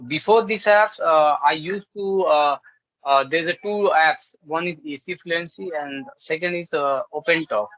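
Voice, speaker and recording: A man's voice: a little high, measured pace, a bit bright, no echo, low-quality recording. A man with an Indian English accent, Urdu as his first language, chatting hesitantly on a video call while practicing English, with many fillers and restarts. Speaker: English learner. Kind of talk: casual video call chat.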